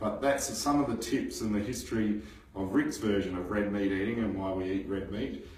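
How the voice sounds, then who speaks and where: Ordinary pitch variation and a moderate pace come through audible room echo and noticeable background noise. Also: man. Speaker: vlogger practicing public speaking. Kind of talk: casual monologue. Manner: hesitant with fillers.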